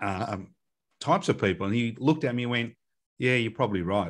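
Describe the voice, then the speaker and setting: In a quiet background, a man with an Australian accent speaks with ordinary pitch variation. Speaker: podcast host. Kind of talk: casual interview. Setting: video call. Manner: enthusiastic. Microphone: studio mic.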